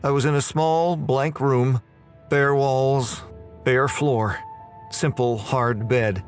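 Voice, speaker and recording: An actor playing a bewildered, uneasy man narrating his horror story in a deliberate, measured way. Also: medium pitch, steady tone, close to an everyday voice. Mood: bewildered, alarmed. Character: bewildered, uneasy man waking in strange prison. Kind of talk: dramatized horror audio narration. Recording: faint music under the voice.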